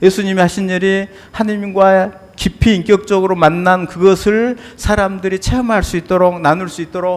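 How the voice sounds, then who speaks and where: A high-pitched man's voice over noticeable background noise. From South Korea, Jeolla, Mokpo. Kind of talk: lecture. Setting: church hall with audience.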